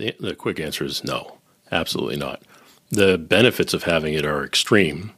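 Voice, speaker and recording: A man with an American accent has a very deep, low pitch and ordinary pitch variation. He talks at a fairly quick pace on a very clean recording with a silent background. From Boston, US. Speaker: podcast host and audio engineer. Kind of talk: casual chat.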